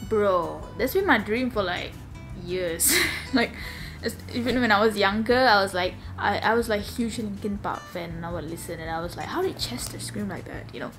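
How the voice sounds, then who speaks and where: A young woman from Malaysia with a slightly raspy, low voice, chatting casually in a sit-down vlog at home, rambling with lots of fillers. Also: moderate pace, fairly bright tone, faint music behind. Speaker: vlogger. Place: home room.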